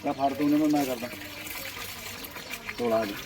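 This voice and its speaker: A man's voice: mid-range voice, fairly even intonation, moderate pace, dark tone. A man with a Punjabi accent, talking casually while he works. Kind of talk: casual chat while working. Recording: noisy outdoor recording, water sounds.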